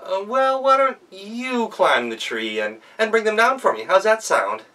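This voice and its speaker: Man putting on a high-pitched sly wolf-grandma. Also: very animated, unhurried, bright, forceful tone, far from the mic, full character voice. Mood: wheedling. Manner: hesitant, excuse-making, coaxing. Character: sly wolf posing as a sweet old grandma. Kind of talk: animated storybook character voice.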